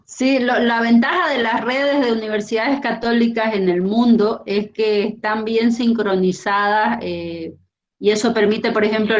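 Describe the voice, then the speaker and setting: Cheerful woman, dull lo-fi call. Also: medium pitch. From Bolivia. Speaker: poet and university lecturer. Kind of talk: casual video-call chat. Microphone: video call.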